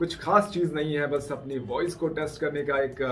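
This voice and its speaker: Over music in the background, a man speaks at a moderate pace with a fairly high pitch. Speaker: voice-over artist, voice coach. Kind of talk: voice training tutorial talk to camera.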